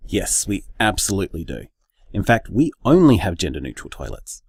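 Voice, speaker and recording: An actor playing an earnest gay bar co-owner in a radio drama interview, with an Australian accent and an articulate, measured manner. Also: male voice, low-pitched, sing-song, creaky, breathy edge, no echo, clean studio sound, heavily acted.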